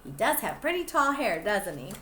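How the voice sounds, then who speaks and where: A young woman pre-K teacher reading a picture book aloud to small children, slow and gentle, stopping to ask them questions. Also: mid-range voice, big pitch swings, roomy sound. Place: classroom.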